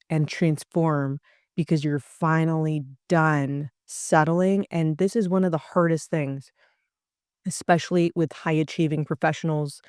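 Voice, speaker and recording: Woman, organizational psychologist, motivational podcast talk, emphatic, repeated lists, smooth voice, dry close mic. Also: low-pitched, darkish tone, no room sound. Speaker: organizational psychologist and career coach.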